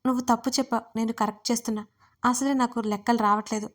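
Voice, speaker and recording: A woman's voice: a little high, fairly even intonation, fast, lightly acted. A woman voicing a playful young man who teases his cousin in an audio story. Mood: teasing. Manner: teasing, playful.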